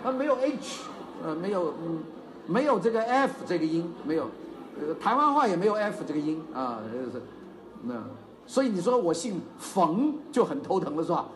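Animated older man lecturing, lively pitch. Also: moderate pace, background noise. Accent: Chaozhou-tinged Mandarin. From China. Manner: animated, digressive, with fillers and asides. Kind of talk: university lecture.

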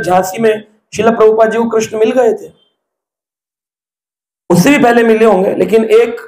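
A man's voice: high-pitched, a little mellow, echoey room. A man giving a devotional discourse, telling stories and asking the listeners rhetorical questions. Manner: storytelling, asks rhetorical questions. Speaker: preacher.

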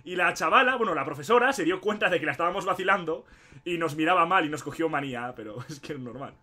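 A young man from Spain with a Spain Spanish accent, telling stories in excitable, slangy casual gaming commentary. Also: fairly high pitch, quick pace, husky. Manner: excitable storyteller, laughs often, slangy. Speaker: gaming YouTuber.

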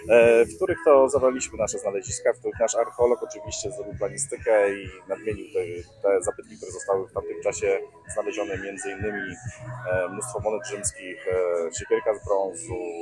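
A man's voice: lowish voice, steady tone, a little fast, over music, low-quality recording. A man in his forties, organizer of a metal-detecting rally, answering interview questions outdoors on a lapel mic, hesitant with many filler sounds and restarts. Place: garden outdoors in summer.

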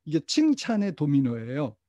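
Middle-aged man lecturing teachers, mellow. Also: fairly high pitch, huge pitch swings, normal speed, dry recording, highs cut off. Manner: asks questions and answers them himself, leads call-and-response, chuckles often. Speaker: teacher trainer.

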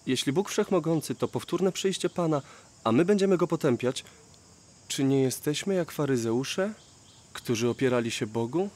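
A man's voice: fairly high pitch, animated, moderate pace, darkish tone, natural voice. A young man dubbing the role of a hesitant, worried preacher in a film. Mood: fearful.

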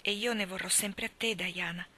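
A woman's voice: medium pitch, moderate pace, bright, forceful tone. A woman voicing a dramatic, sentimental orphan girl who talks in a gushing, theatrical way. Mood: heartfelt.

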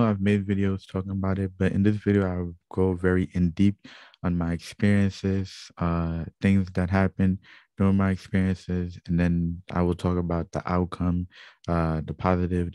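A man's voice: low voice, flat delivery, normal speed, mellow, smooth, no echo. A young man from Guyana with a Guyanese accent, earnestly recounting his own experiences as host of a vlog, with many fillers and restarts. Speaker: channel host. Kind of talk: personal testimony vlog.

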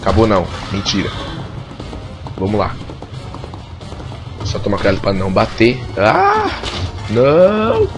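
A man's voice: lowish voice, flat delivery, normal speed, pauses often, over music. A Brazilian man giving casual gameplay commentary in a strained voice, as if his tonsils are swollen and his throat inflamed. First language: Portuguese. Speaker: gamer narrating a let's play.

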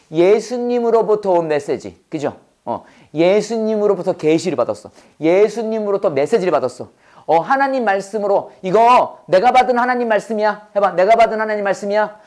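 The voice is mid-range, a little mellow, and hoarse, belonging to an English teacher who runs a brisk drill. Each prompt gets repeated, and the class echoes it back.

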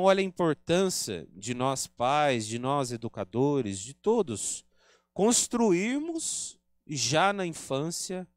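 In clean studio sound with no room sound, a man with a higher-leaning voice and a Brazilian Portuguese accent gives an earnest spiritist lecture at a spiritist center. He teaches and acts out quoted remarks as part of this religious talk.

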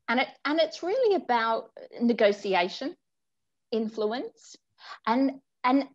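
A woman's voice: fairly high pitch, dull audio. A middle-aged woman from Australia, a communications executive, speaking earnestly as a guest on a video call interview from home. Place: home room indoors.

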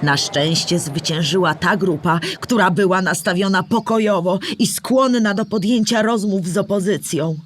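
An actress plays a patient female storyteller in a children's audio play. She explains things in a clear, measured way, as scripted narration for young listeners. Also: on the low side, natural voice. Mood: explanatory, patient.

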